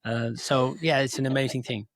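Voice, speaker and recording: A man's voice: medium pitch, steady tone, normal speed, no room sound. A man of Dutch and Asian background co-hosting a tech and crypto podcast, talking in a thoughtful, hesitant way with fillers and restarts. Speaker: podcast co-host. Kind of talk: casual chat.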